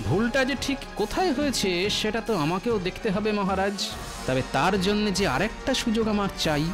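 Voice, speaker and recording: An actor playing a witty, clever male court jester in a cartoon, calm and reasoning. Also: medium pitch, brisk, natural voice. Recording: cartoon voice with music behind.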